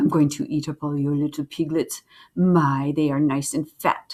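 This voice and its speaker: A woman puts on a growling character voice with a menacing tone. Her pitch is very deep and low. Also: moderate pace. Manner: growling, menacing.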